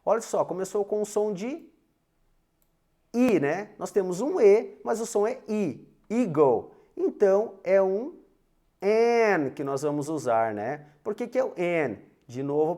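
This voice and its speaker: A man's voice: fairly high pitch, darkish tone. A Portuguese-speaking man teaching an English grammar lesson, having students repeat phrases after him and tagging lines with "né?" and "alright?".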